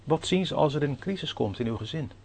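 A man's voice: on the high side, expressive, quick pace. A man preaching a sermon, earnestly putting questions to the congregation and reading scripture aloud. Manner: reads scripture in old-fashioned formal Dutch.

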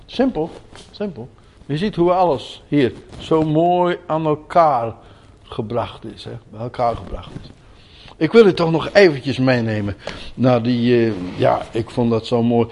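An older man preaching a sermon, moving from quiet folksy asides to loud, emphatic repetition of key words. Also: medium pitch, a little slow, slight background noise.

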